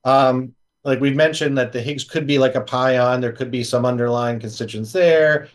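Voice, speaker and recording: A man's voice: mid-range voice, steady tone, moderate pace. A man talking as a guest physicist in an interview, explaining in an earnest way. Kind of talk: casual interview talk.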